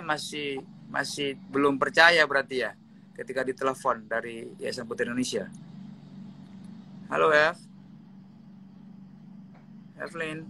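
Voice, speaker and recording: Playful male host on a video call, bright forceful tone, faint room ambience. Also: medium pitch, slight background noise. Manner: playful, teasing, animated questions. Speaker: host interviewing pageant finalists. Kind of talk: lively online interview, mixing in English.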